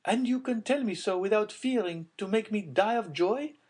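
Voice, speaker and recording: A man's voice: normal speed, a little mellow. A man voicing a frantic, anguished baroness. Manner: shrill, sobbing, pleading. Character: anguished aristocratic mother, middle-aged baroness, frantic. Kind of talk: audiobook character voice.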